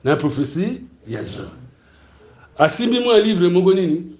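Congolese-accented male preacher, high voice, lively teaching sermon, keeps checking the room understands, roomy echoing hall. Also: moderate pace, dull audio. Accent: Congolese French. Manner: animated, asks the room if it is clear, laughs between points. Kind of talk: sermon mixing teaching and questions to the congregation.

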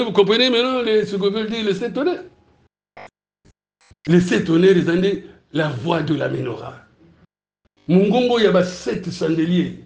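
A man preaches with a Congolese French accent, his voice sitting high and bright against the hall's echo. He teaches in quick animated runs and keeps turning to the congregation to ask if they have understood. The room around him rings with reverb. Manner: animated, asks the room if it is clear, laughs between points. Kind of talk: sermon mixing teaching and questions to the congregation. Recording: roomy, echoey hall.

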